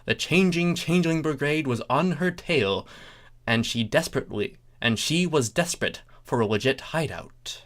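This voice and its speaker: A performer reading a comic fan fiction story aloud as an expressive narrator. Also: medium pitch, normal speed. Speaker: story reader.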